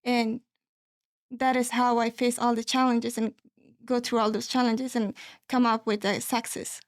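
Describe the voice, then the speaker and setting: A woman's voice: a little high, flat delivery, unhurried, dry recording, clean studio sound. Earnest young woman from Afghanistan. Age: young adult. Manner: earnest, with frequent fillers and restarts. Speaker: guest. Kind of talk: personal interview answers.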